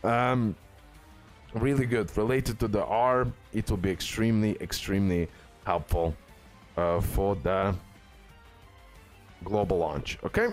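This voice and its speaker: A man with a fairly low voice hosts a casual gaming guide. He talks in repetitive, emphatic phrases, with faint music playing underneath. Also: a little slow, pauses often. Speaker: gaming video host. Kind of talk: casual game guide commentary. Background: background music.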